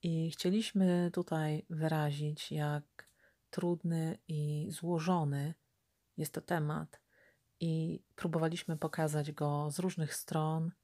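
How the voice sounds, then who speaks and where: A woman psychotherapist introducing her channel in a measured, earnest way. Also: deep voice, darkish tone.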